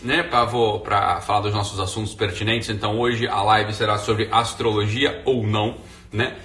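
Speaking from a distance in an echoey room, a man with a Brazilian Portuguese accent hosts a casual live stream from home. His mid-range voice has a sharp edge as he rambles in slang, ending sentences with "né."

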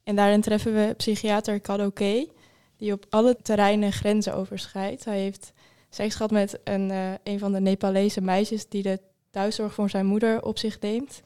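A woman's voice: mid-range voice, flat delivery, normal speed, mellow, smooth. A woman host summarizing a novel in a matter-of-fact way. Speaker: podcast host. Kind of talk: reading a book summary.

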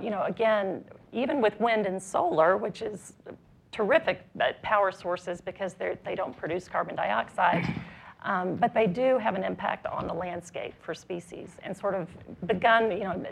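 Woman with a scratchy, gravelly voice. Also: mid-range voice. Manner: measured, explanatory, frequent ums. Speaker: panelist. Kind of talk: panel discussion. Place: conference stage.

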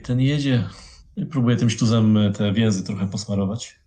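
A man playing a tabletop role-playing game, speaking calmly and deliberately. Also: lowish voice. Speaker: player.

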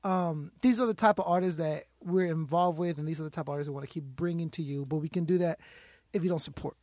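A man's voice: fairly high pitch, fast, darkish tone, no room sound. A man hosting a casual podcast, jokey and hyped. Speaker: podcast host.

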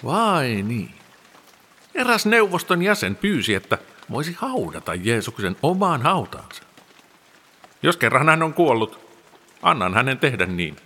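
An actor playing the Roman governor Pilate, questioning and commanding. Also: male voice, mid-range voice, sing-song, sharp tone, slightly rough, full character voice. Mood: demanding. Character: Roman governor, man, imperious, demanding.

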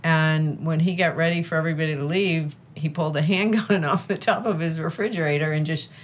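A woman's voice: low voice, fairly even intonation, a little fast. A woman co-hosting a casual podcast chat, telling a rambling story with amused laughter. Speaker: podcast co-host.

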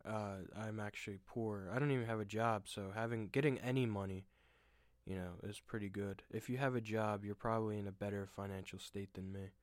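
Young male podcast host, low voice, self-deprecating monologue, lots of "like" and "uh", clean dry recording. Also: steady tone, brisk, no room sound. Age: young adult. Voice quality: deep voice. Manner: rambling, self-deprecating, many fillers and restarts. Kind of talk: casual solo monologue. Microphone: desk microphone at home.

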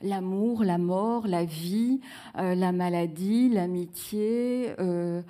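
A woman's voice: lowish voice, slow pace, mellow. A woman author in a live book talk, speaking reflectively with many fillers and restarts as she searches for her words.

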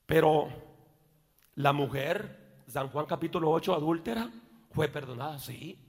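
A male pastor preaching a sermon in church, rising to shouts and dropping into joking asides. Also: a little high, a little slow. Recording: long reverb of a church hall.

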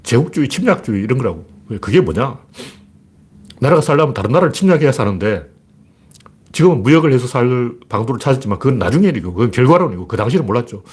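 Male political commentator, husky, lively delivery, lecture-style monologue with mock shouted asides. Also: mid-range voice, quick pace. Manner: animated, acts out shouted orders in mock voices.

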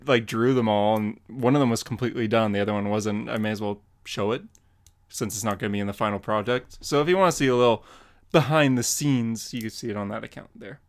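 A man's voice: fairly low pitch, fairly bright tone. Giggly man rambling in casual chat. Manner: rambling and giggly, laughs often mid-sentence. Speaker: podcast co-host and comic artist.

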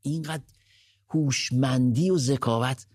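A man's voice: medium pitch, a little mellow, husky, dry recording. Emphatic male co-host, dry close sound. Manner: emphatic, repeats phrases for stress. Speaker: podcast co-host. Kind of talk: live podcast chat.

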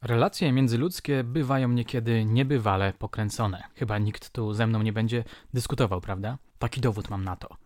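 A man's voice: mid-range voice, normal speed, hardly any pauses, darkish tone. A man hosting a true-crime podcast, reading old newspaper reports aloud in scripted, theatrical narration and putting rhetorical questions to his listeners. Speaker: podcast host.

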